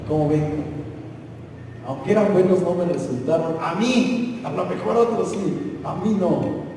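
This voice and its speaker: A man preaching in a high, mellow voice, talking to his congregation as if in conversation and quizzing them. He is picked up from a distance in a large, echoing church hall with long reverb. A faint ambient hum sits underneath. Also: a little slow. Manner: conversational, asks the congregation questions, rising to shouts. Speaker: pastor. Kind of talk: sermon.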